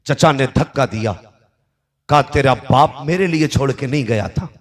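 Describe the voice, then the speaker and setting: A man's voice: mid-range voice, moderate pace. A man preaching a sermon and telling a story, acting out its dialogue with chanted, sung rises.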